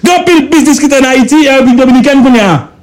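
A man's voice: very high voice, very fast. A man with a Haitian accent giving impassioned political commentary in a radio studio, emphatic and repetitive, driving points home with rhetorical questions.

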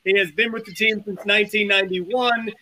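High-pitched, bright-voiced male sports host. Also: fairly even intonation, a little fast, a little hiss or hum, low-quality recording. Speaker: sports show host introducing a guest. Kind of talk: casual sports chat.

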